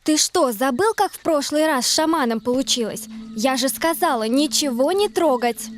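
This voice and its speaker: A woman's voice: high-pitched, expressive, normal speed. A woman voicing a clever, cautious girl on a quest in a fairy-tale cartoon, earnest and careful. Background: background music.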